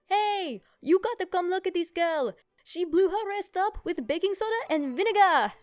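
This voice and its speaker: A woman voicing a loud, jolly nurse with an Indian accent and a lilting, yelling voice. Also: very high voice, lively intonation, moderate pace, no echo, clean studio sound, voice pushed up. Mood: hollering. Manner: yelling at full volume.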